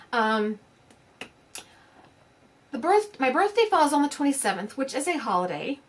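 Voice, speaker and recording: A woman's voice: high-pitched, very animated, unhurried. A woman, chatting casually to her craft channel's viewers in a rambling way, full of fillers and restarts. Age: 50s. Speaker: crafting vlogger. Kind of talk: casual chat to camera.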